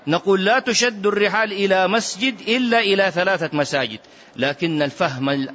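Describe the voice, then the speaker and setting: A man leads a religious lesson in a mosque, his voice a touch high and emphatic. He chants some phrases and fires off rhetorical questions. The recording is dull and muffled. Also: fairly quick, fairly bright tone. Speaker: religious teacher. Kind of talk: mosque lesson explaining hadith.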